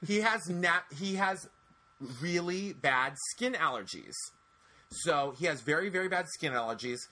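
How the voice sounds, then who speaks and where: A man in his forties with a bright, clear tone and a slightly higher voice, talking on a casual podcast. He rambles through stories in an animated, chatty way and restarts his sentences often. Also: measured pace. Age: 40s. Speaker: podcast host.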